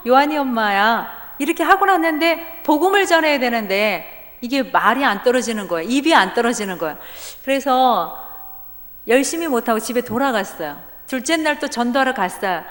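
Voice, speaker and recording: A woman deaconess giving a testimony at a church service, telling her story in a lively way and acting out the dialogue. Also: a little high, brisk. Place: church sanctuary. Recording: church hall reverb.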